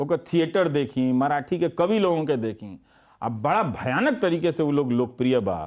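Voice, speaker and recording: Over a quiet background, a man with a plain, everyday voice speaks at a fairly high pitch with lively intonation. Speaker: journalist. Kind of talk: interview answer.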